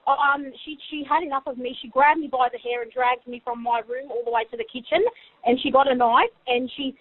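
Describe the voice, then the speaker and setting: A woman's voice: sits high, steady tone, fairly quick, no room sound. A woman in her twenties with an Australian accent, speaking as a caller on a tinny emergency phone recording. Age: 20s. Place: outside a house on the phone.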